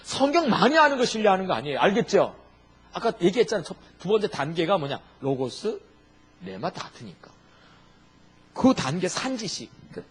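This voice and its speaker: A middle-aged male pastor delivering an emphatic sermon. His voice sits a little high with a husky edge, and his pitch leaps and drops as he throws questions at the congregation. He hammers each point home with insistent repetition.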